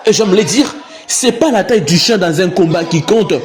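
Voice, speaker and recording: A man's voice: high voice, lively intonation, moderate pace, soft background music, a faint crowd. A man with a Congolese French accent giving live play-by-play commentary of a wrestling match, repeating phrases and exclaiming.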